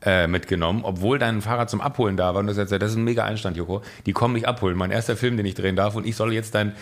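Fast-talking man telling a wild story. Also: lowish voice. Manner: animated storyteller, acts out shouted quotes. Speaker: guest. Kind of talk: casual chat.

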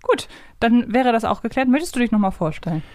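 A woman's voice: on the high side, lively intonation, fast, a little mellow, no room sound, studio quality. A woman hosting a podcast, chatting casually and bantering through a quiz game. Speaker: podcast host.

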